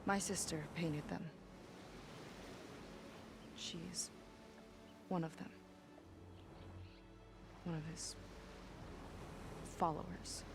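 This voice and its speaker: A woman playing a troubled, candid young tribal warrior in a game cutscene, speaking earnestly and haltingly. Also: lowish voice. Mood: sad, confessional. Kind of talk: video game cutscene acting. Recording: clear ambient game sound behind voice.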